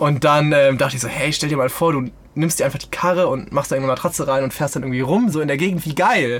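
Very rapid male speech, fairly high for a man, with normal pitch movement over noticeable background noise. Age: 20s. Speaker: YouTuber and van enthusiast. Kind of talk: casual chat. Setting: recording at a trade fair.

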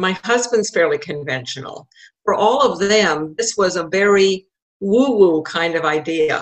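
A woman with an unremarkable speaking voice, lively intonation and a fairly slow pace. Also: medium pitch for a woman. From Saskatchewan, Canada. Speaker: meditation teacher, former corporate executive. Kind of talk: interview; guided meditation. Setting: remote call from lake house.

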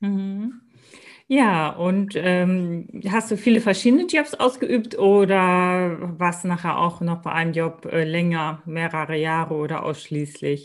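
A woman speaks very slowly. Her pitch varies in an ordinary way. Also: medium pitch for a woman, quiet background. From Germany. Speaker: podcast host, business coach. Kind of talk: interview.

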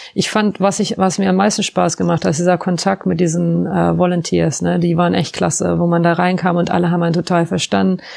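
A woman speaks at a fairly quick pace, with hardly any pauses and very even loudness. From Germany. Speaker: ultracycling racer. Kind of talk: interview.

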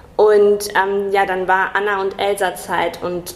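Over noticeable background noise, a woman talks at medium pitch and a very slow pace. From Kassel, northern Hesse, Germany. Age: 20s. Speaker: children's book publisher founder, doctoral student. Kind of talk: casual interview.

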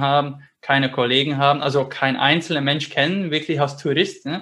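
This man speaks with a Dutch accent in a fairly high pitch, his intonation monotone and flat. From Belgium, Flemish. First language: Dutch (speaking German). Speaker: life coach and entrepreneur. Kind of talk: casual interview. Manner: halting.

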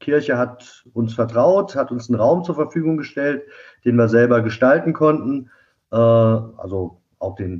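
Fairly slowly, a man with an unremarkable speaking voice talks at a medium pitch with ordinary pitch variation. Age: 50s. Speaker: Protestant pastor. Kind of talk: casual chat.

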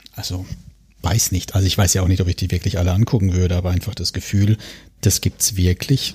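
Speaking very fast, a man with a fairly low pitch has a dark, mellow, somewhat breathy tone and fairly even intonation, recorded with a dry, close sound and no echo. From southern Germany. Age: 40s. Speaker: private investor, IT worker. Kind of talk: casual chat.

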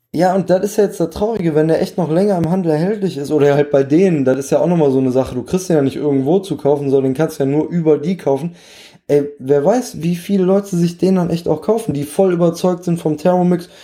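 A man talks at a very fast pace in a high pitch, with ordinary pitch variation. His tone is dark and mellow. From Duisburg, Ruhr area, Germany. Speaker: podcast co-host. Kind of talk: casual chat.

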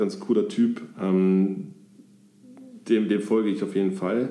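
A man speaks at a moderate pace. There is audible room echo. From East Westphalia, Germany. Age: 40s. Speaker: IT manager, former army officer. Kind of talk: casual interview chat.

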